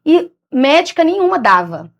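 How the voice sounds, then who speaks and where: Brazilian woman guest, a bit high-pitched, telling her story with lively acted-out dialogue. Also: moderate pace. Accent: Brazilian Portuguese. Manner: animated, acts out others' lines in quoted speech; repeats "I said" and restarts as she recounts. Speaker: guest giving a faith testimony. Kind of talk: emotional storytelling.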